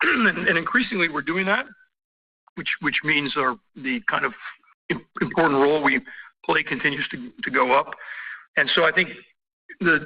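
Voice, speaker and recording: A dull, band-limited conference line carries a husky man's voice, set a little high. He speaks as an executive giving unscripted answers, haltingly, repeating words and clearing his throat. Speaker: company executive. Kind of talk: unscripted earnings call answers.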